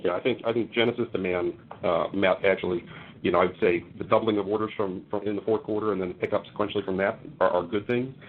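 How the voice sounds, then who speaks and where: A man with a deep voice speaks quickly as a company executive on a conference call. He explains haltingly, repeating words as he goes. The sound is thin and phone-like, with a faint rumble behind it. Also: fairly even intonation. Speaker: company executive answering analysts. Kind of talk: earnings call answers.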